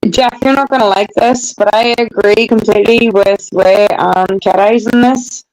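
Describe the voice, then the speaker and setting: A woman calling into a heated online panel discussion, speaking slowly and emphatically while her call audio glitches and cuts out. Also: medium pitch, steady tone, a little mellow, low-quality recording. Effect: choppy, glitching call audio that cuts out.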